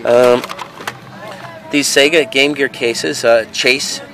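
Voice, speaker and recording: A man's voice: medium pitch, fairly even intonation, slow pace. Rambling man sorting games at an outdoor flea market. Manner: rambling, thinking aloud, many fillers. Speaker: video game reseller. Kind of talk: casual handheld vlog narration. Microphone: handheld camera. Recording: noisy outdoor camera audio.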